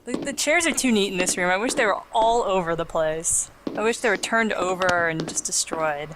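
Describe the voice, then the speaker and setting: A woman's voice: mid-range voice, normal speed, noisy background. A young woman casually commenting on a video game she is playing, chatty and giggly, explaining what is on screen. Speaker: let's play host.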